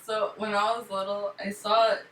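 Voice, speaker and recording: A woman's voice: medium pitch, little pitch movement, moderate pace, a bit bright, echoey room, distant mic, slight background noise, poor audio. A woman on a podcast telling a childhood story in casual chat, giggling as she goes. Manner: giggly, laughs through her story. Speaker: podcast co-host.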